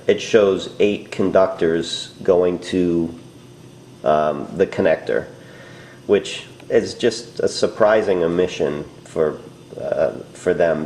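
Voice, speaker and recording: A man's voice: deep voice, darkish tone. A middle-aged man giving a casual, hands-on DIY tutorial, informal and a little hesitant as he thinks aloud. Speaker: DIY home improvement demonstrator. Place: indoors in a house. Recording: echoey room with background noise.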